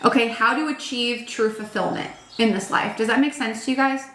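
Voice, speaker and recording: This tarot reader, in her thirties, speaks fairly quickly in a higher, steady, fairly bright voice that's tired and starting to crack. Her casual reading is frank and chatty, with swearing and many "like"s and "um"s, recorded in a roomy space with a little hiss or hum.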